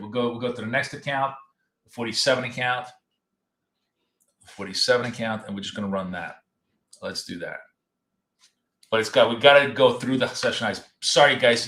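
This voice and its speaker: A man running a live trading stream from his apartment office. He chats loosely and doubles up words, and his voice is going hoarse. His tone is bright and forceful, and the room gives it a noticeable echo. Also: medium pitch. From United States. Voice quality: talkative, repeats himself, loose and chatty. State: losing his voice, coughing. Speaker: trading show host. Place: home office in a city apartment.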